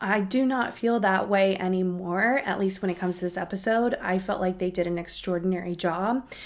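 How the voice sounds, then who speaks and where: A woman talks at a fairly quick pace with hardly any pauses, very even loudness, fairly even intonation and a medium pitch. Background noise is noticeable. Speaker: YouTuber reviewing TV episodes. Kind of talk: emotional monologue to camera. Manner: halting, stumbling over words.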